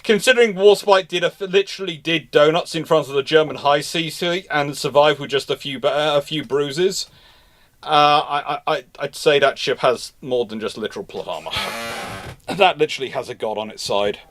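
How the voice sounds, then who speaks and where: A man hosting an unscripted question-and-answer talk, speaking emphatically but haltingly, doubling back and repeating himself to stress points. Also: a little high, fairly bright tone. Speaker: naval history host answering live questions.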